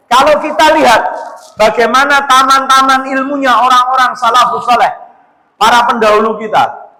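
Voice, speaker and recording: A male Islamic preacher, giving a casual, animated sermon to a women's study group. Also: very high voice. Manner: casual preaching, mixing Javanese words, animated. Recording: echoey hall reverb.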